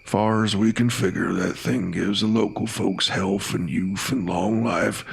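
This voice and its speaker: A man voicing a calm, burly hill man with a thick, flat rural American country accent. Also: on the low side, a little slow, gravelly, slightly rough, pitched below the performer's own voice, heavily acted. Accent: rural American country drawl. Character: gruff hillbilly man, calm, deadpan, heavyset.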